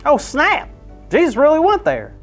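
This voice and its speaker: A woman playing an excitable, goofy young male host of a children's church show, with an over-the-top, bouncy delivery. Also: sits high, moderate pace, faint music behind, exaggerated voice. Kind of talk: kids' church comedy skit.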